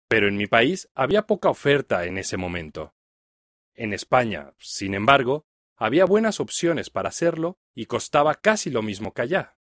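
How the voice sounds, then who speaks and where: A Mexican man with a Mexican accent reads a scripted first-person account for learners. His pitch sits mid-range but rises and falls a lot, and his delivery stays clear and measured. The sound is dry and close, as from a studio mic. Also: dry recording. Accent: Mexican Spanish. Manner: clear, even read-aloud delivery. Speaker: reader of a listening text.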